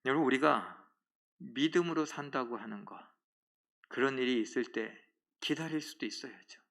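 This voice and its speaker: A man's voice: medium pitch, moderate pace, gravelly, fairly bright tone. A male pastor preaching a sermon, telling a story and asking the congregation questions. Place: church.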